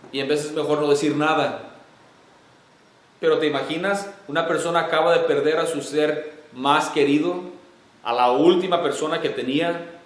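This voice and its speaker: A man preaching a sermon as pastor, earnest and emotional, building to forceful emphasis. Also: on the high side, reverberant. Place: church sanctuary.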